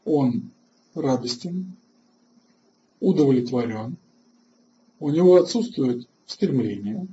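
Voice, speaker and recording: Halting man hosting a webinar. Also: mid-range voice, warm tone, dull audio, a little hiss or hum. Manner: halting, with many filler sounds and restarts; answers chat questions between points. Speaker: webinar host. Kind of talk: online webinar lecture.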